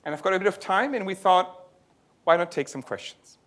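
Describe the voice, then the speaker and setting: Male conference speaker, bright and forward tone, explanatory delivery with restarts, presenting tech research and fielding questions. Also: sits high, lively intonation, brisk. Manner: explanatory, thinks aloud with restarts. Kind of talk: tech talk and audience Q&A. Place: lecture venue.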